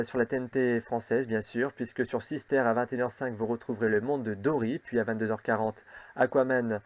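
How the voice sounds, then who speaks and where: A man hosting a show, briskly reading out the evening TV schedule with casual asides and the odd filler. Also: medium pitch, no room sound. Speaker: host.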